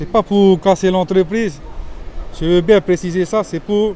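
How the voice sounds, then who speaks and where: A man at a moderate pace, ordinary pitch variation, light noise in the background. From French Polynesia. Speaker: union representative. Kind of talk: interview. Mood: calm, firm. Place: street. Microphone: handheld.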